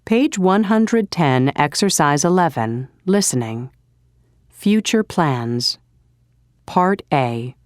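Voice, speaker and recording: A woman's voice: low voice, lively intonation, dry recording, clean studio sound. A woman narrating a textbook audio and reading out page and exercise titles. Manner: measured, announcing.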